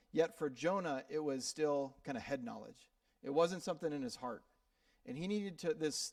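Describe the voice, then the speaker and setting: Conversational pastor from Minnesota. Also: male voice, fairly high pitch, a little mellow, no echo, clean studio sound, far from the mic. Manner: conversational preaching with frequent fillers and repeated words. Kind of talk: sermon. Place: church sanctuary.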